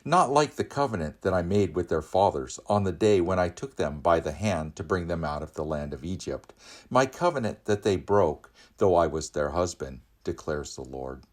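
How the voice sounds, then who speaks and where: A man reading scripture aloud as a church reader, in a measured, declamatory way. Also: sits low, expressive, darkish tone.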